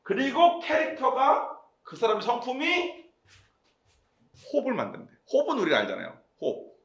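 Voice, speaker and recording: A man's voice: very high-pitched, huge pitch swings, normal speed, a bit bright. A talkative man with a Gyeongsang accent, preaching a casual, conversational sermon and often checking in with his congregation. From Gyeongsang region, South Korea.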